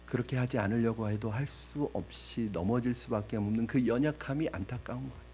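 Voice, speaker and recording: A man's voice: mid-range voice, fairly quick, a little mellow, slight background noise. A male pastor preaching a sermon to his congregation, asking them questions and acting out the story's characters with drama. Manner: addresses the congregation with rhetorical questions; acts out the parable's voices dramatically.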